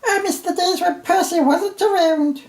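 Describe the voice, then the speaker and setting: A man voicing a small male puppet character with a squeaky, strained voice, fretting that he is losing his voice. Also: normal speed. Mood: fretful. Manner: fretful, complains about losing his voice. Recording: roomy echo.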